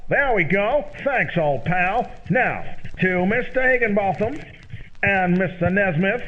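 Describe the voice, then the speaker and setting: A dull, lo-fi radio comedy recording of a short, sly moocher with a high voice. He is folksy and elaborately polite, wheedling and flattering in repeated, old-fashioned phrases. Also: takes it slowly. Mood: folksy, chummy.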